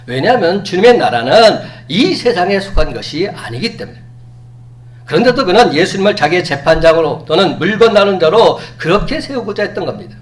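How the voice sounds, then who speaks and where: Animated male pastor preaching from afar. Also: high-pitched, brisk. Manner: animated preaching, acting out quoted speech. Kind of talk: sermon. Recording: distant mic with faint hum.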